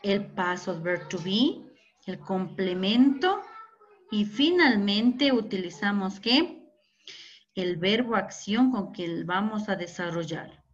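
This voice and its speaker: A woman's voice: medium pitch, animated, dull audio. A woman teacher explaining English grammar in a patient lesson, regularly checking in with her students. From Ecuador. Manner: explains slowly, keeps asking ¿verdad? and ¿ya?.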